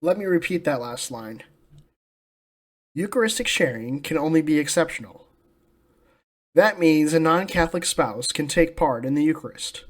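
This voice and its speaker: A man's voice: fairly high pitch, expressive, moderate pace, pauses often. An American man hosting a scripted religious commentary, speaking in a solemn, emphatic and declarative manner. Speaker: host of a religious commentary channel.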